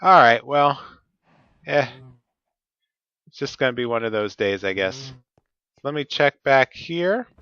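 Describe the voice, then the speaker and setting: A man's voice: mid-range voice, animated, slow pace, pauses often, a bit bright, clean tone, no echo, dull audio. A man with a stuffy, cold-affected voice, talking methodically through each step of his gameplay. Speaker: Let's Play host. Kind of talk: casual gameplay commentary.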